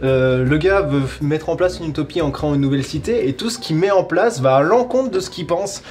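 A man's voice: a little high, brisk, darkish tone. A young adult man, giving a blunt, casual counter-opinion as co-host. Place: wood-panelled bar room, indoors.

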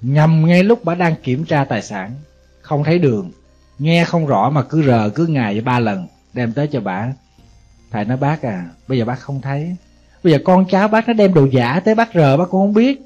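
With lively intonation and a normal speaking speed, a Southern Vietnamese-accented monk delivers a conversational Buddhist sermon full of rhetorical questions for the audience. His voice is a little high and darkish. Faint music sits under the dull, lo-fi sound.

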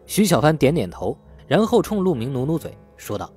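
A man's voice: a little high, sing-song, brisk, darkish tone, breathy edge, soft background music. A man narrating an audiobook in a scripted storytelling style. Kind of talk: scripted audiobook narration of an urban crime novel.

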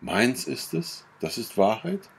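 A man's voice: lowish voice, sing-song, slow pace, gravelly, slightly rough, pitched above the performer's own voice, full character voice. A man voicing a proud, moody young village woman in a storybook reading, with eager questions.

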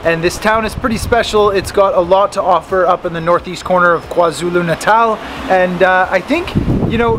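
A man's voice: high-pitched, background noise. Upbeat man vlogging to a handheld camera. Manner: upbeat, chatty, talks to camera with hand gestures. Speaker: travel vlogger. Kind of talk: travel vlog chat and voice-over narration. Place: outdoors on a resort deck. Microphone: handheld camera at arm's length.

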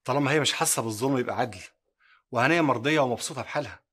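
An actor with an Egyptian accent playing a calm, pious go-between who talks in a reassuring, matter-of-fact way. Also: male voice, medium pitch, racing, slightly rough. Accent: Egyptian Arabic. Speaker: go-between friend. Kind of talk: Egyptian TV drama acting.

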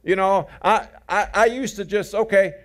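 A middle-aged man preaching, with a voice pitched high for a man. He tells folksy stories, slips in jokes and says his main points twice. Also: normal speed. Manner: folksy storytelling with jokes and repeated key phrases. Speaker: pastor. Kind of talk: sermon.

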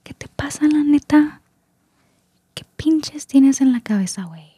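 A woman's voice: high-pitched, lively intonation, warm tone, no room sound, clean studio sound, pitched above the performer's own voice. A woman putting on a Mexican accent to play a brash, foul-mouthed slang talker, still whispering. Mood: mock outrage. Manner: whispered, rapid swearing.

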